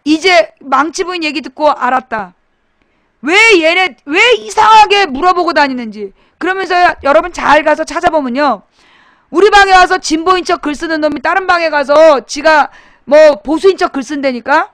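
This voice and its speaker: A woman's voice: sits high, moderate pace, fairly bright tone, no room sound, studio quality. A woman hosting a political talk webcast, talking bluntly and emphatically to her live chat audience and firing rhetorical questions at them.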